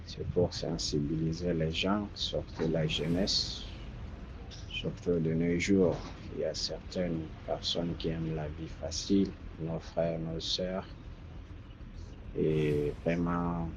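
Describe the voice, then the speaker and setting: A man whose first language is Arabic, politely greeting listeners and starting his story in halting French. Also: low voice, a little mellow, highs cut off, slight background noise. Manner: halting, polite, searching for words. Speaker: listener sharing a personal story. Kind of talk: voice-message testimony.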